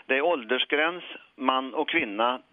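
A man phones in to a radio show, halting and hesitant, filling gaps with ums. His voice is thin and tinny, as over a telephone, and dry. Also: medium pitch, no echo. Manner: hesitant, halting, full of fillers. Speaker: caller. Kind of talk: phone-in chat.

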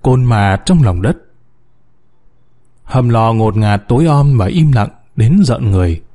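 Man, story narrator, dramatic, mellow tone, lively pitch. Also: measured pace. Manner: dramatic, expressive.

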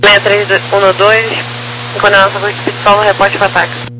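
A Brazilian man speaks as an air traffic controller in clipped radio phraseology. His voice sits high and he talks very fast. The aviation radio channel hums with clear noise. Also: completely flat delivery. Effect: aviation radio transmission.

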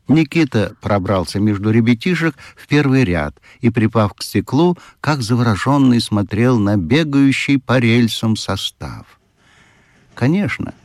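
A man narrating a children's audiobook in a measured storytelling manner. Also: on the low side, darkish tone, dry recording, clean studio sound.

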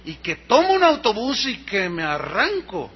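Mexican man, preacher, animated storytelling, high voice, husky tone, muffled recording. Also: measured pace. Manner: animated storyteller acting out dialogue. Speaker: pastor. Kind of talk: sermon with personal storytelling.

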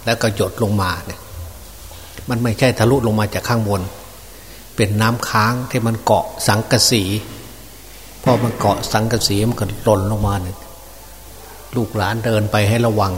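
A man preaching as a monk, folksy and unhurried, with many fillers. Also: fairly low pitch, fairly even intonation. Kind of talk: Dhamma sermon. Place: open temple hall. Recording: distant reverberant hall with faint noise.

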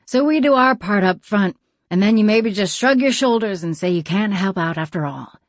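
A blunt frontier gunslinger with rough, Western turns of phrase, voiced by a woman narrator. Her speech is fierce and direct. The sound is close and dry. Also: mid-range voice, animated, normal speed, no echo, lightly acted.

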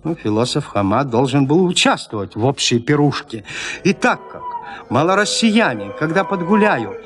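Expressive man narrating a classic tale. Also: on the high side, moderate pace. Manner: expressive, theatrical storytelling. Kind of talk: scripted literary narration in a radio play.

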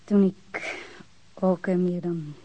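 A young woman acting in a crime audio drama as a bereaved woman, frank, guarded and self-possessed, speaking in measured phrases. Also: lowish voice, steady tone, mellow, muffled recording. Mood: reflective, frank. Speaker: actress in a radio drama.

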